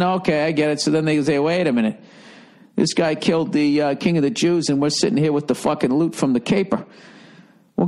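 Sarcastic man riffing while reading aloud. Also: high voice. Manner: sarcastic, profane running commentary. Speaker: comedian. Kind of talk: comic reading with asides. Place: dim study with leather chair.

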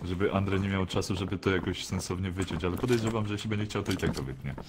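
A man playing a game with a friend, chatting casually in a calm, reassuring way with dry humor. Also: deep voice, fast. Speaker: co-player. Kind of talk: casual gaming chat. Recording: loud background noise over voice chat.

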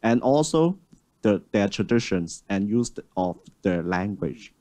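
Halting man moderating a panel. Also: fairly low pitch, animated, warm tone. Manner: halting, with many fillers and restarts. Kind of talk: conference panel discussion. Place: stage of a large auditorium.

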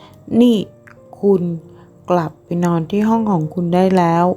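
A woman's voice: lowish voice, moderate pace, dark tone, soft background music, close to an everyday voice. Woman voicing a stern young mother, scolding. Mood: exasperated.

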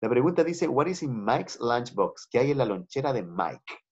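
Very animated at a normal speed, a medium-pitched, slightly rough-voiced man gives an online English lesson on a video call. He is Chilean, with a Chilean Spanish accent, and patiently repeats phrases while switching languages. Recorded on a computer mic, the call audio sounds dull and lo-fi.

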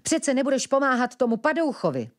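A young male ferret cries out in a high, eager voice, as a woman reading a fairy tale plays him. His pitch leaps up and down with feeling. He pleads urgently. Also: very animated. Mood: excited.

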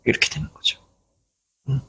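A man's voice: fairly quick, sharp tone. A man who hosts a channel, giving an earnest motivational talk and acting out people's mocking remarks as he goes. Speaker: lecturer and channel host.

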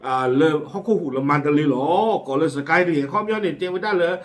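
Community news comes across here in a casual, talkative way from a man whose voice sits fairly high and runs a little fast. Expect plenty of fillers and asides in this spoken news commentary.

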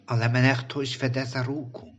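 A man's voice: medium pitch, flat delivery, brisk, a bit bright, muffled recording, slight background noise, lightly acted. A man voicing a childless wife who insists urgently in a Christian audio story.

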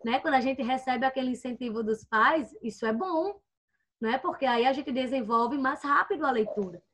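A high-pitched woman runs an online class for small children. She talks into her computer microphone with patient, coaxing warmth. She keeps checking in and spells out syllables slowly. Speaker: first-grade teacher. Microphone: computer microphone, with headphones.

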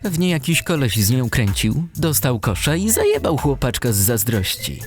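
A man's voice: medium pitch, sing-song, normal speed, voice pushed up, natural voice. A man voicing a crude, exasperated male school teacher gossiping indignantly in a narrated horror story. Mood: gossipy. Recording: music behind the voice.

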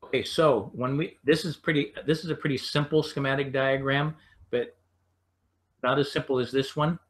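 An American man gives an unscripted technical lesson in a mid-pitched voice. He explains things piece by piece, in short halting phrases, as an instructor walking learners through material. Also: fairly even intonation. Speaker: HVAC instructor. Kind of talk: unscripted slide lecture.

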